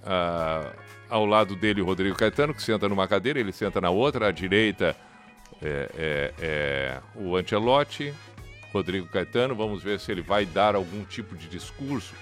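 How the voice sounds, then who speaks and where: Low-voiced excitable Brazilian radio host. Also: male voice, moderate pace, soft background music. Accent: Brazilian Portuguese. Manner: excitable, urging, running play-by-play. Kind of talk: live commentary chat.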